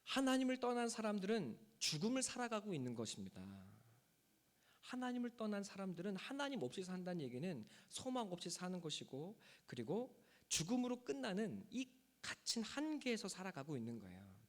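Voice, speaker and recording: A man delivers a Sunday sermon in a high, lively voice that swoops up for emphasis and drops low at the ends of lines. His words ring out with long reverb in a church hall. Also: fairly quick. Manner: emphatic preaching, voice rising and falling sharply. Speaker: pastor. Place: church sanctuary.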